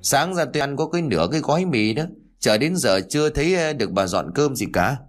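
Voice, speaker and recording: A man voicing a confused, stubborn elderly village husband who flatly denies what he has just done. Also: mid-range voice, fast talker, faint music behind, pitched above the performer's own voice, close to an everyday voice. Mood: grumbling. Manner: blunt, deadpan denials.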